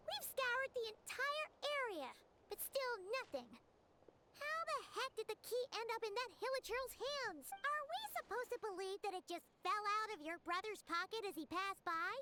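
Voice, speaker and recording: A woman voicing a small, fairy-like female game companion, chatty and impatient, with expressive delivery. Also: very high-pitched, background noise. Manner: speaks of herself in third person, expressive. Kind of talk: video game voice acting. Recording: game music behind.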